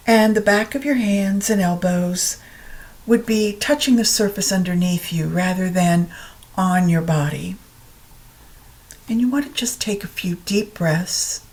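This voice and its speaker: A woman teaching yoga nidra, guiding a meditation in a calm, soothing, unhurried way with long pauses. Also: mid-range voice. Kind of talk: guided meditation narration.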